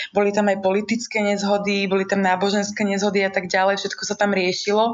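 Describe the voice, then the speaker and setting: Over noticeable background noise, a woman with a medium-pitched voice speaks very fast in a flat monotone, her loudness very even. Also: hardly any pauses. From Slovakia, Trnava. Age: 20s. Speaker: rapper and singer. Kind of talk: interview.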